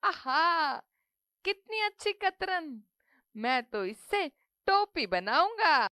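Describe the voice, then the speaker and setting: A woman's voice: very high-pitched, big pitch swings, takes it slowly, sharp tone, dry recording, studio quality, pitched above the performer's own voice, exaggerated voice. A woman voicing a boastful little male mouse in a children's cartoon story, chanting his threats in a sing-song way. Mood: pleased.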